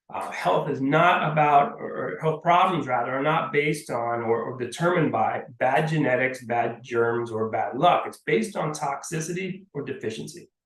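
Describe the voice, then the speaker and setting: Through audible room echo, a man speaks at a fairly high pitch with ordinary pitch variation. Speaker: health speaker, clinician. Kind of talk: lecture.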